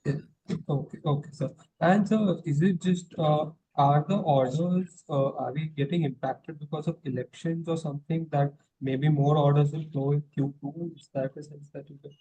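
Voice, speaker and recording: A man, an analyst asking polite, soft-spoken questions on a conference call. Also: a little high, fairly even intonation, moderate pace, breathy edge. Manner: soft-spoken, polite, says sir often. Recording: muffled phone-line call.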